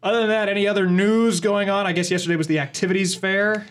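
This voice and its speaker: A man's voice: high-pitched, fairly even intonation, fast talker. A young man hosting a college radio talk show, wry and easygoing as he interviews. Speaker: host.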